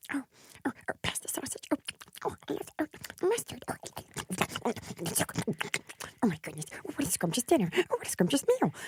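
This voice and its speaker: Someone whispers in a breathy, put-on character voice at a moderate pace. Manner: whispery, breathy, romantic.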